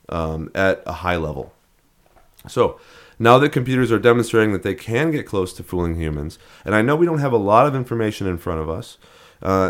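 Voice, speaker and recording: Low-voiced man rambling in casual chat. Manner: rambling, many restarts and fillers, laughs at odd names. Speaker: podcast co-host.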